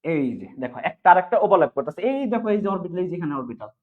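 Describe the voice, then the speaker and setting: A man teaching chemistry in an online exam-prep class, drilling students with quick repeated questions. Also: on the high side, big pitch swings. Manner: fast, repetitive question-and-answer drilling. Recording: phone-like narrow sound.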